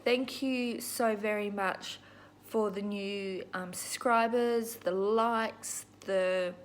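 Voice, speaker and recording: A woman's voice: medium pitch, steady tone, takes it slowly. A middle-aged Australian woman hosting a crafting video, chatting casually to viewers in an informal, rambling, self-deprecating way.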